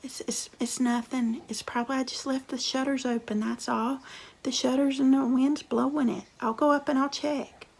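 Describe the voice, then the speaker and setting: A woman's voice: high voice, steady tone, moderate pace, gravelly, a little mellow, husky, full character voice. Woman doing a jittery, reassuring dad. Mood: uneasy. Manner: stammering, reassuring. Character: nervous father brushing off a scare.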